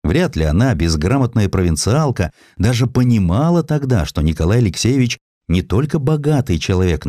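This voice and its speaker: Deep-voiced male narrator, expressively intoned. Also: darkish tone, dry recording, clean studio sound. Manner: measured, dramatic storytelling. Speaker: audiobook narrator. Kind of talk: expressive literary narration of a historical essay. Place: dry studio.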